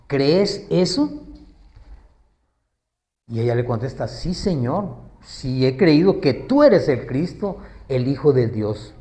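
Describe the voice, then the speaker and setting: A man's voice: medium pitch, mellow. A man preaching a sermon in a conversational way, asking the congregation questions and acting out quoted pleas.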